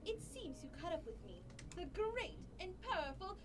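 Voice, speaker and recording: Very high, boastful cartoon villainess. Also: female voice, big pitch swings, moderate pace, heavy background noise. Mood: pompous. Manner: pompous, dramatic. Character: boastful, theatrical female villain, great and powerful. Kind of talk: dramatized cartoon parody dialogue.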